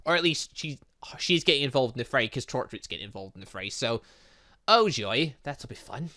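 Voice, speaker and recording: A man hosts a video game playthrough in a bright, forceful voice. His pitch swings widely as he rambles through his thoughts. He is excitable, breaking into asides and exclamations, in a close, dry sound. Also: fairly quick, no room sound. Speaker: gaming channel host. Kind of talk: let's-play commentary, reading game dialogue aloud.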